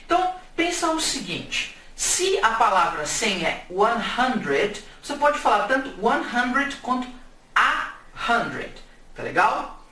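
A man's voice: very high-pitched, big pitch swings, slow, pushed and bright. A man from Brazil teaching English numbers in a casual, jokey video lesson. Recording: echoey room, mic at a distance, faint hiss.

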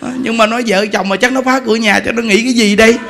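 High-voiced man telling a funny sermon story. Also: fast. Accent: Southern Vietnamese. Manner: animated storytelling, repeats words, laughs often. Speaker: Buddhist preacher. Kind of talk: humorous dharma talk.

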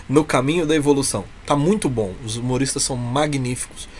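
A man's voice: medium pitch, moderate pace. A man with a Brazilian Portuguese accent speaking earnestly and emphatically as an interview guest, in a heartfelt, encouraging way. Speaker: interview guest, clown performer from a humour troupe. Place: small room with a curtain backdrop. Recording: noisy webcam call audio.

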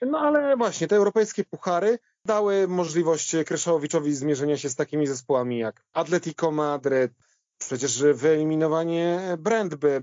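A man with a moderately high voice discusses football history in a conversational, somewhat hesitant way. The sound is dry and close, with a slightly muffled, band-limited top end. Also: a little mellow, no echo.

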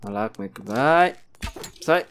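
A man's voice: lowish voice, moderate pace, smooth. A man with a Brazilian accent giving casual gameplay commentary, yelping and scolding the zombies as he plays. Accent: Brazilian Portuguese. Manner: excitable, yelps and talks to zombies. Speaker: gameplay streamer.

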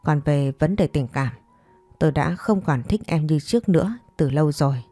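A woman voicing a composed, proud man who coolly turns down a former girlfriend, measured, in a fireside storytelling style. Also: low voice, warm tone, no echo, soft background music.

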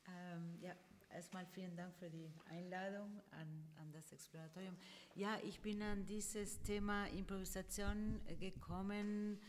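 A woman's voice: medium pitch, fairly even intonation, a little slow, a little hiss or hum. A middle-aged woman from Argentina whose first language is Spanish, answering interview questions with many fillers into a stand mic in a white gallery room. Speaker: guest sociologist. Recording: long room reverb.

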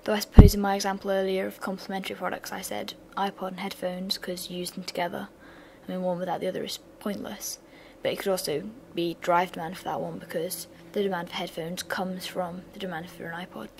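A young woman with a slightly raspy voice from a sore throat, talking through a revision lesson in a flat, bored-sounding way with chatty asides. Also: lowish voice, fast, hardly any pauses, a little hiss or hum. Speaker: revision channel host. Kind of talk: casual revision lesson voice-over.

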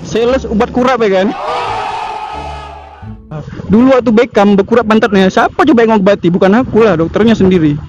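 A man's voice: high-pitched, fairly quick, pauses often, darkish tone, soft background music, some chatter behind. A young man, joking and rambling playfully while riding a motorcycle outdoors. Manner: joking, playful, self-mocking. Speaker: motovlogger. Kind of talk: rambling comic motovlog chat. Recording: muffled helmet mic with wind noise.

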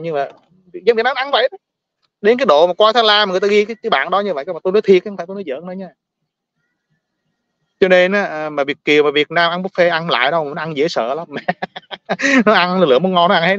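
A man's voice: a little high, a bit bright, no room sound, muffled recording. A man from Vietnam with a Southern Vietnamese accent, talking casually and bluntly to his viewers, ranting, repeating words and laughing often.

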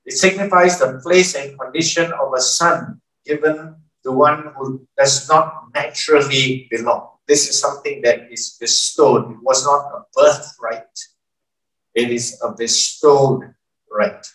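An older man with a mid-range, slightly bright voice preaches a teaching sermon from the stage of a large church hall, speaking a little slowly with fairly even intonation. He often checks in with the congregation by asking them questions. The mic sits at the lectern but is picked up from a far camera, so the hall sounds echoey and distant.

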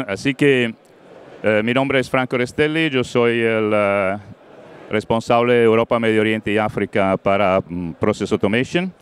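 A middle-aged man from Colombia presenting on a conference stage into a handheld mic, halting often with fillers and slipping into English words. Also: on the low side, smooth. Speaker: panel moderator. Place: large event stage.

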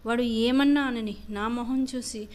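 A woman voicing a caring older mother-in-law who speaks gently and pleads in a spoken story. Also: a little high, fairly even intonation, measured pace, clean tone, natural voice. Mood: gentle coaxing.

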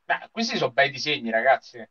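A man's voice: mid-range voice, big pitch swings, fast talker, crowd noise. A man giving casual live commentary as a panelist on an anime watch-along over a video call. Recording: slightly dull video call audio.

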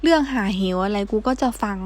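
A woman's voice: fairly high pitch, expressive, fast, a little mellow, natural voice. A woman voicing a brash, foul-mouthed young male graduate in an audiobook novel, speaking bluntly and crudely. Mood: coaxing. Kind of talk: audiobook character dialogue.

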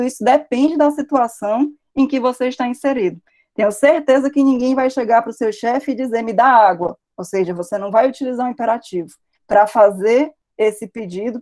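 Woman, Brazilian Portuguese accent, university lecturer, slightly high voice, explanatory, rhetorical questions, video-call mic. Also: warm tone. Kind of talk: academic online lecture.

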